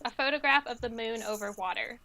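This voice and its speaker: Bright, high-voiced woman hosting trivia. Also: fairly quick. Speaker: trivia host and quizmaster. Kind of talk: casual game-night banter with quiz reading.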